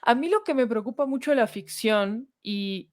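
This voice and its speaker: A woman's voice: fairly high pitch, animated, moderate pace, no room sound, studio quality. A woman, talking reflectively and articulately in a conversational interview, searching for words as she goes. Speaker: podcast guest, audio fiction creator.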